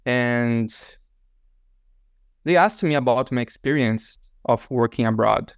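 Slow, clear-voiced man telling his story. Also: medium pitch, dry recording, clean studio sound. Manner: unhurried storytelling with many fillers. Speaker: interview guest, author. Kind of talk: casual interview chat.

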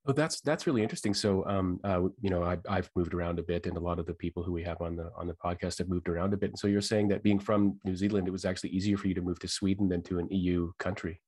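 A man's voice: sits low, fairly even intonation, fast talker, hardly any pauses, a little mellow, husky. A man from Saskatchewan, hosting a podcast interview in a rambling, casual way, filling with "you know" and "um". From Saskatchewan, Canada. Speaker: podcast host.

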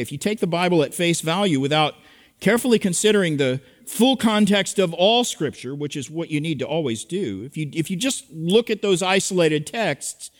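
A man preaching an expository sermon to a congregation, earnest and emphatic as he teaches. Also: sits high. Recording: echoey hall with long reverb.

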